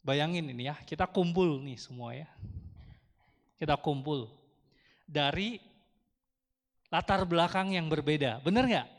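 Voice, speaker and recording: Lively man speaking in an echoing temple hall. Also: a little high, a little slow, pauses often. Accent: Indonesian. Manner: lively, chatty, asks the audience questions. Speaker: Dharma talk speaker. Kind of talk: casual Dharma talk to a temple congregation. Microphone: handheld microphone through speakers. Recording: long hall reverb from speakers.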